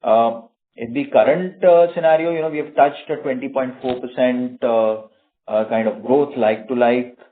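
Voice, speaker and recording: A man with an Indian accent speaking as a company executive on an earnings call, halting, with frequent filler phrases. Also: medium pitch, steady tone. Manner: halting, frequent "you know". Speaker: company executive answering analyst questions. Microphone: conference phone call. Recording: narrow tinny phone-line audio.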